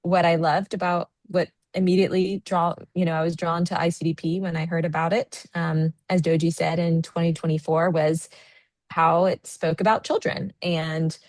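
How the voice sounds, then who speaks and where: Sleep-deprived American woman, low and dry. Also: little pitch movement, normal speed, a little mellow, dry recording. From United States. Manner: chatty, friendly, many fillers. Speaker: guest presenter. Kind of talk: online presentation. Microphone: video call.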